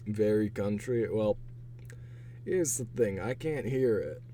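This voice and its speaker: Young male streamer, voice half gone and raspy, chatty and rambling, soft low tone. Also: expressive, slow, slight background noise. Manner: chatty, rambling, laughs to himself. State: hoarse, voice partly gone. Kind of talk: casual chat while taking online quizzes.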